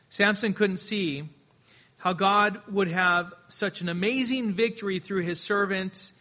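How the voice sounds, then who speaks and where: A pastor with a slightly high voice preaches earnestly, his volume swelling louder and then falling soft. He often repeats words as he restarts.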